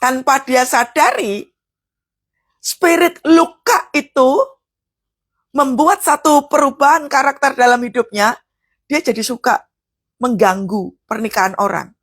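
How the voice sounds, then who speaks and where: Female preacher, breathy and fairly high, telling stories in a live devotional. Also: a little slow, pauses often, a bit bright. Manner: storytelling, often addresses listeners as brothers and sisters.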